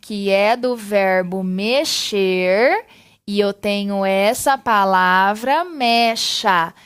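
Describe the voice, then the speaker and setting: A woman teaching a recorded spelling lesson. She explains step by step, often checks in with the listener and slows down on example words. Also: medium pitch, a bit bright, clear, resonant tone.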